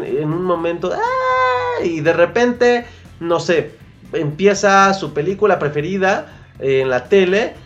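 Mexican-accented podcast host, motivational monologue, mid pitch, faint music behind. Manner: coaching, repeats key phrases, colloquial slang.

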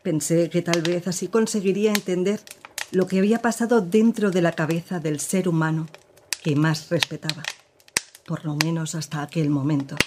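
An actress playing a woman who gravely recounts her partner's past in an audio drama, with measured, serious storytelling. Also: fairly low pitch, fairly even intonation, background noise, lightly acted.

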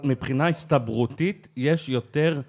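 A man co-hosting a podcast, chatting casually with a playful, teasing manner. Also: medium pitch. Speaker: podcast co-host. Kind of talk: casual chat.

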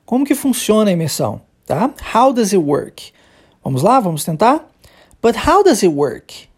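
An English teacher from Brazil with a Brazilian Portuguese accent gives a podcast lesson. The teacher explains patiently, then says short phrases slowly and repeats them for drilling. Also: mid-range voice, very animated, husky.

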